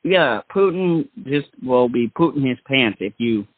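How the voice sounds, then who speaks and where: A man's voice: mid-range voice, expressive, a little slow, breathy edge, no echo, phone-quality sound. A man hosting a talk show, giving casual radio-style commentary.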